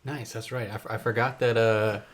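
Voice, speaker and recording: A man's voice: on the low side, fairly even intonation, a little fast. Casual man chatting on a gaming podcast. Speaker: podcast host.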